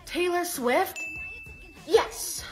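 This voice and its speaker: A woman's voice: very high-pitched, drawn-out words. A woman playing a silly, dim-witted character in a comedic skit, blurting odd one-liners. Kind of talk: comedic TikTok skit storytime. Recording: faint music behind.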